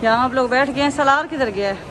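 A woman's voice: high-pitched, fast talker. Chatty woman vlogging through a crowd. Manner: chatty, exclaiming, talks to viewers while walking. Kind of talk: casual walking vlog narration. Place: busy outdoor expo grounds, then indoor pavilion. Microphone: handheld phone camera. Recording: crowd noise and music behind.

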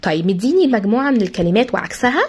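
A woman with an Egyptian Arabic accent, an English teacher who explains words to pupils and repeats each one slowly, spelling out how the sounds are said. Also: on the high side, sing-song, darkish tone, husky. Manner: addresses pupils as "kids". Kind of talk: vocabulary lesson for pupils.

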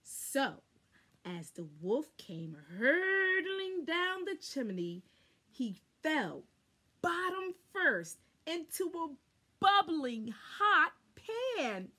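A woman in her thirties reading a children's story aloud dramatically, with pauses and emphasis. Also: high-pitched, big pitch swings, bright, forceful tone. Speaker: storybook reader. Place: small furnished room at home, indoors.

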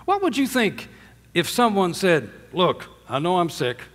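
An older man preaching a sermon from a church stage, emphatic, calling out for amens and dropping to hushed endings. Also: huge pitch swings, a little slow. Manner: emphatic, swinging from loud highs to low hushed endings; asks the congregation for amens. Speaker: pastor. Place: large church sanctuary with stage and drum kit. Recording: long hall reverb.

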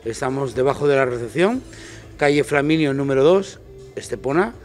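A man's voice: medium pitch, expressive, normal speed. Man talking through a face mask. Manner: upbeat, with frequent restarts and repeated words. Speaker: restaurant manager. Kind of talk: promotional interview talk. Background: faint music from a DJ.

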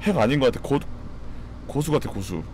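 A man streams live game commentary in a very animated, mid-pitched voice. He mutters short phrases over and over, then bursts into exclamations, chatting playfully with his viewers. Game ambience runs faintly behind him. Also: a little fast, background noise. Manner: casual, playful, talks to viewers.

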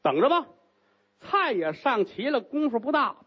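A man telling a traditional comic story in a lively, animated way. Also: extremely high pitch, moderate pace, husky, dull audio.

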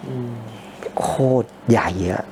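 A man's voice: slow pace, music in the background. Thai man rambling over ear cleaning. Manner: rambling, conversational, addresses viewers at home. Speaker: ear-cleaning video host. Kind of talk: casual chatty commentary while cleaning ears. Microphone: camera mic, no close-up mic.

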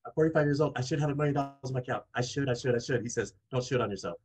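A man's voice: mid-range voice, very fast, husky. A man in his forties, a money coach, speaking emphatically on a video call from a home office. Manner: energetic, emphatic, talks with his hands. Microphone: video call webcam.

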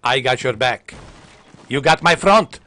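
Animated, joking game streamer man. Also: medium pitch, measured pace. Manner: joking, teasing chat, swearing. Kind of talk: casual gameplay commentary. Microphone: headset with large foam mic.

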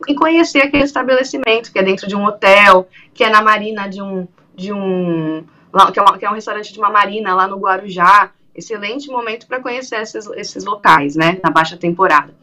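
A woman in her thirties, an event organizer, speaking animatedly on a video call during an interview. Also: mid-range voice. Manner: animated, acts out quoted dialogue. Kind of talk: remote interview on radio-TV news show. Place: small room indoors. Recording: dull lo-fi video call audio.

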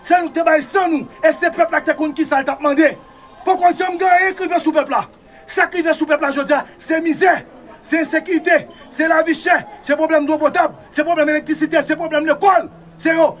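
A man with a Haitian accent, a panel guest giving fervent political talk, repetitive and now and then rising to a shout. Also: very high voice, fairly even intonation, fairly quick.

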